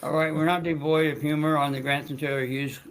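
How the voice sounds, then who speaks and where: A man's voice: a little high, level tone, fairly quick, rough recording. A man hosting his own talk show, speaking in a rambling, stammering way with frequent restarts and joking asides. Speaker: show host.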